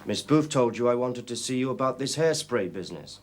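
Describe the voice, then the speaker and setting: A man's voice: medium pitch, lively intonation, brisk, slight background noise, natural voice. An actor playing a stern male schoolteacher who gives curt, authoritative orders. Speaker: teacher.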